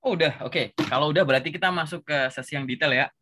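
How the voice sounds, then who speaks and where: A man with a Javanese accent giving a relaxed, chatty coaching session and tagging his sentences with filler words. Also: fairly high pitch, fast talker, background noise. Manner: relaxed, chatty, says "gitu" constantly. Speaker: career coach.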